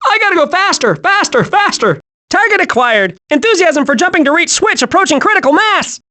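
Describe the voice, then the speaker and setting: An actor voicing a hyperactive, naive, cheerful squirrel in an animated video game, with an excitable, childlike manner. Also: very high-pitched, a little fast, heavily acted. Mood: excited, silly. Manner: excitable, childlike, gleeful exclamations.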